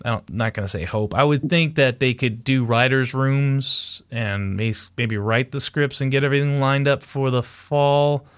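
A man's voice: medium pitch, fairly even intonation, normal speed, hardly any pauses, clear, resonant tone. A man hosting a podcast in casual chat, blunt and rambling, swearing freely. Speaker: podcast host.

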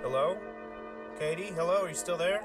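A woman's voice: on the low side, a little fast, over loud music, close to an everyday voice. A woman playing a bossy young friend who leads an occult game in a horror audio drama. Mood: grave, subdued.

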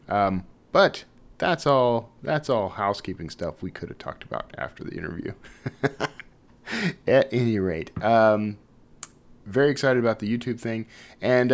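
A man with a low voice hosts a podcast. He talks casually and informally, wandering through his introduction with hesitations and side remarks. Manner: chatty, informal, hesitant and digressive. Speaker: podcast host.

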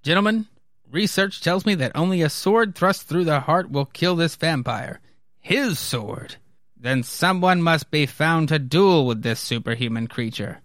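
A man's voice: fairly high pitch, measured pace, fairly bright tone, no room sound, clean studio sound, voice pushed up. A man voicing earnest, commanding military officers in stiff, declamatory read-aloud story dialogue. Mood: solemn, resolute.

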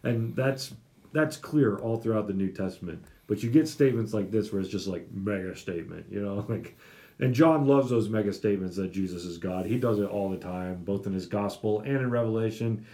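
A man's voice: on the low side, fairly quick, dark tone. A young man hosting a casual Bible study chat, explaining a passage with many fillers and restarts. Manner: chatty, lots of fillers and restarts. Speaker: Bible study podcast host.

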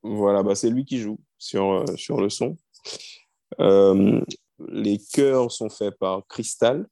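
Man, 30s, low warm voice, easygoing storyteller, dry close sound. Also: no echo. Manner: storytelling, easygoing, frequent fillers. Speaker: singer-songwriter guest. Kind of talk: relaxed interview talk.

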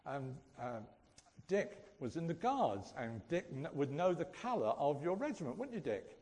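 A man's voice: on the high side, sing-song, moderate pace, warm tone. A man with a Suffolk English accent gives an informal teaching sermon, conversational and often checking in with his listeners with questions. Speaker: preacher. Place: large echoing hall, speaking to a group. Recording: reverberant hall.

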